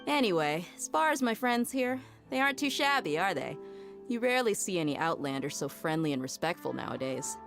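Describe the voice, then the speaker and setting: Easygoing, animated mercenary. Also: female voice, fairly low pitch, brisk, faint music behind. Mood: casual. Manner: casual, streetwise. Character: confident, easygoing female desert mercenary. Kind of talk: video game voice acting.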